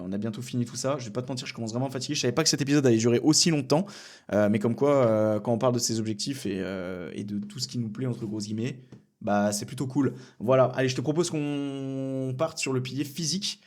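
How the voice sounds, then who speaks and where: A man's voice: mid-range voice, a little mellow. A young man from France hosting a casual solo podcast from a small room at home, rambling with many fillers and restarts and the odd curse word. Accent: French. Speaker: podcast host.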